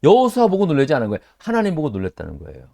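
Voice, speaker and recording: Man, middle-aged, pastor, lively swooping pitch, dry close recording, rhetorical questions, acts out quoted voices. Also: very fast, vocal fry, no room sound. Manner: animated preaching, rhetorical questions to listeners. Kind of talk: Bible study sermon.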